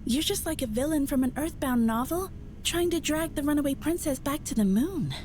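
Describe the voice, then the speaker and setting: A plaintive, teasing video game girl, with a high and very animated voice. There is faint noise behind her lines. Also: moderate pace. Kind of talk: game voice acting.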